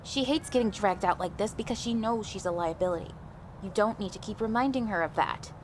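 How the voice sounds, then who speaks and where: A woman acting a sharp-tongued, sarcastic young woman in an audio drama, blunt and defensive of her friends. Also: medium pitch, brisk, natural voice. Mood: indignant. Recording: faint outdoor ambience noise.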